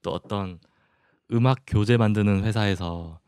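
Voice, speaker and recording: A man in his thirties answering interview questions in a modest, soft-spoken way. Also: fairly low pitch, unhurried, smooth, no room sound, clean studio sound. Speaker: guest. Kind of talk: casual interview chat.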